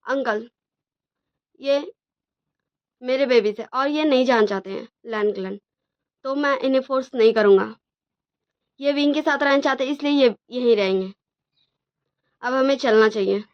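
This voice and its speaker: A woman reading as a calm, protective young father. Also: sits high, moderate pace, long pauses, natural voice. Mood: firm. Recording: dull lo-fi recording.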